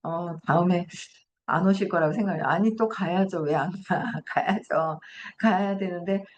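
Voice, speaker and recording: A middle-aged woman with a slightly low voice reads from a book and then talks it over. She muses aloud, poses questions to herself and laughs easily. A faint hiss sits under her voice. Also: moderate pace, dull audio. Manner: chatty, musing, laughs often, asks herself questions. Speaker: host. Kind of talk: reading aloud and reflective commentary.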